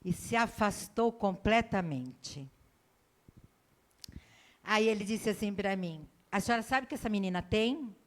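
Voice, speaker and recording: A middle-aged woman missionary preaches in a church, telling a personal story and acting out its dialogue for the congregation. Her mid-range voice is animated yet a little slow, and she pauses often.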